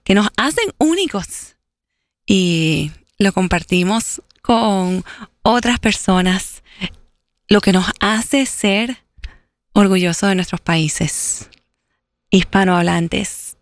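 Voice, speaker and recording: A woman's voice: medium pitch, expressive, takes it slowly, long pauses, no echo. A woman from Venezuela with a Puerto Rican accent, talking casually and proudly as a radio host and giving the weather. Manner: chatty, proud and upbeat.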